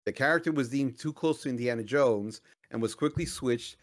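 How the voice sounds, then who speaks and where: A man's voice: mid-range voice, normal speed. A man co-hosting a casual podcast chat, blunt and opinionated, joking freely as he talks. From Latin America. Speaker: podcast co-host.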